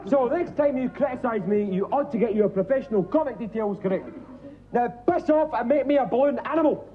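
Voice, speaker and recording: A man's voice: very high-pitched, fairly quick. A Scottish man doing a sardonic stand-up routine on stage, stammering and mock-dramatic. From Scotland. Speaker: stand-up comedian. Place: studio stage before a live audience. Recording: tinny lo-fi TV recording with audience.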